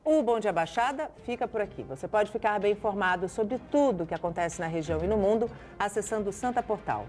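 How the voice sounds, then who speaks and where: A Brazilian woman hosting a morning news show, asking questions in a lively, chatty way. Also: mid-range voice, fast, hardly any pauses, faint music behind. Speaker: TV news presenter and interviewer.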